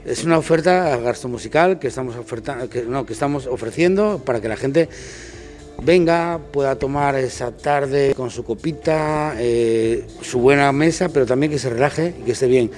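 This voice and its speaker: A man's voice: medium pitch, moderate pace, a little mellow. A restaurant manager speaking through a face mask, talking up his venue in an upbeat way and often restarting and repeating words. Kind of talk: promotional interview talk. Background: faint music from a DJ.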